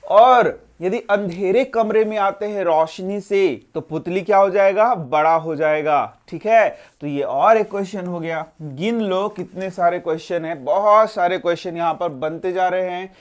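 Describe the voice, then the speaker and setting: A man's voice: high-pitched, unhurried, few pauses. A male teacher running an exam-prep lesson, posing questions to the students, answering them himself and repeating each answer. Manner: role-plays a tired student's interruptions.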